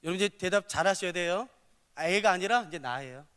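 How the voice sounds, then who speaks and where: Male preacher with a high, bright voice, lively and theatrical, quizzing his congregation; long hall reverb. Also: fast talker, clean tone. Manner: lively, acts out dialogues with God; asks the congregation questions. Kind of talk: sermon.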